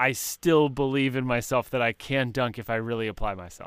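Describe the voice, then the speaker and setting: A man's medium-pitched voice moves at a moderate pace, with ordinary pitch variation. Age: 40s. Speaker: podcast co-host, dad. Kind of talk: casual chat. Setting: video call.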